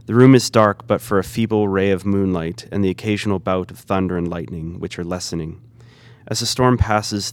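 A man's voice: low voice, no echo. A man giving scripted narration, reading the stage directions of a play.

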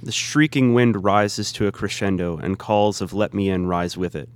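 A man's voice: fairly low pitch, moderate pace, no echo. A man giving scripted narration, reading the stage directions of a play.

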